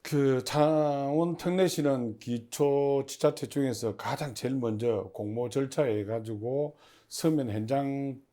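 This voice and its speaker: A man giving formal, prepared interview answers as an agency official, in measured and stiffly official phrasing. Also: mid-range voice, mellow. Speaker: head of a public industry agency, interview guest.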